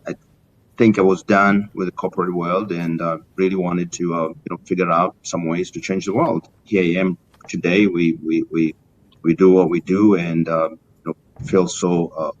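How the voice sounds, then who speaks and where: Muffled, low-voiced Tanzanian man, halting. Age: middle-aged. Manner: halting, formal and courteous, many hesitations. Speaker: interview guest, community business leader. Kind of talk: live interview answers. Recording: muffled lo-fi link with rumbling noise.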